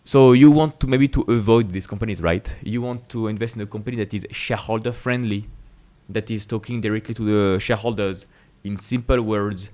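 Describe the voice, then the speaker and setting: A man's voice: fairly low pitch, fairly even intonation, fairly quick, a little mellow. A man with a French accent, a native French speaker, host of an investing channel, talking to camera in an emphatic way with rhetorical questions. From France. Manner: emphatic, repeats words and restarts, rhetorical questions. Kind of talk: casual explanatory talk to camera.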